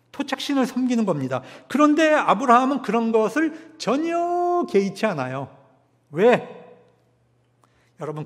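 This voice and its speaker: A male pastor preaching a sermon, emphatic, swinging from loud peaks to hushed drops. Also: sits high. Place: church sanctuary. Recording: long church hall reverb.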